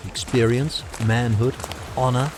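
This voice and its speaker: An actor playing a bitter, outraged Roman soldier in a Shakespearean audio drama, declaiming with scorn. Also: male voice, mid-range voice, fairly even intonation, a little slow, lightly acted. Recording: music behind the voice.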